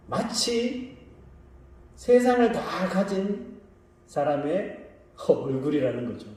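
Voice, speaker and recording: A man preaching a sermon. His delivery swings between soft, low asides and raised, emphatic lines, and he often puts questions to the congregation. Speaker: pastor. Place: church sanctuary. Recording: very echoey room, voice from a distance.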